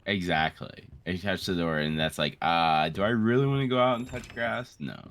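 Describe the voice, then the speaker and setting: A man in his late twenties giving casual, joking game commentary in a crude, rambling, animated way. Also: low voice, normal speed, a little hiss or hum. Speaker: co-host of a gaming series.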